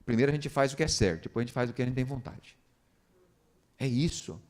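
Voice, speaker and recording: A man's voice: mid-range voice, fast. A man, preaching a sermon in church and asking the congregation rhetorical questions. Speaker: pastor. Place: church service.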